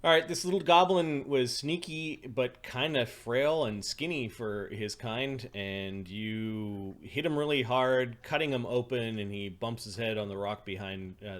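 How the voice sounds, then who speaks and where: A man's voice: fairly low pitch, unhurried, few pauses. A man narrating a tabletop role-playing game as game master, describing scenes as he improvises them.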